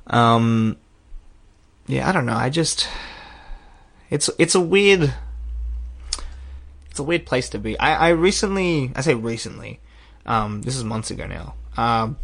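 This is a young adult man, chatting casually as a guest. He rambles and circles back on himself, self-deprecating and quick to laugh at his own words. His pitch sits in an ordinary middle range for a man. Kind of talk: casual personal chat.

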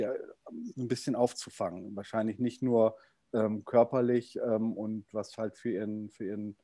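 Male interviewer, halting and filler-heavy, mellow tone, dry close sound. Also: fairly low pitch, no echo. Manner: hesitant, many fillers and restarts. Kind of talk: casual interview.

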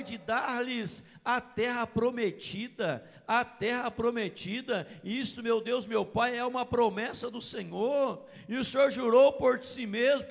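A man preaching a fervent sermon that rises to shouted, pleading prayer. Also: very high-pitched, vocal fry. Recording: long reverberant hall.

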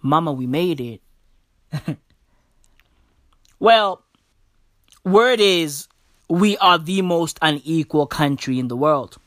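A young South African man hosts a casual solo podcast, speaking in slang and calling the listener "bro" and "bruv." His voice is on the high side and fairly bright, with lively intonation and a slow pace full of pauses. It's recorded on a podcast mic at studio quality, with no room sound.

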